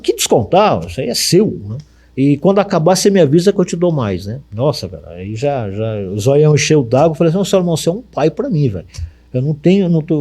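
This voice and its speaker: Animated husky Brazilian radio man. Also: on the high side. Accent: Brazilian Portuguese. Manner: lively anecdote telling, acts out dialogue, frequent tag questions. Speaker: radio announcer, guest. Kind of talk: storytelling in an interview.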